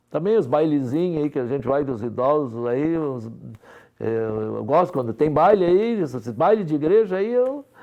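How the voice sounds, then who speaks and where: Speaking at a moderate pace in a southern Brazilian accent, a man with a fairly high pitch swings his voice very widely up and down. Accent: gaúcho Brazilian Portuguese. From southern Brazil, Rio Grande do Sul (Novo Hamburgo). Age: 60s. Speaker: city councillor. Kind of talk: interview.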